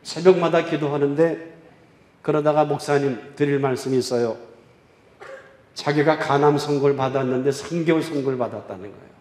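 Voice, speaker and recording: A male pastor preaching a revival sermon and telling a story, swinging from loud exclaiming to quiet confiding. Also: fairly high pitch, fairly quick. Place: church sanctuary. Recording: echoey church hall.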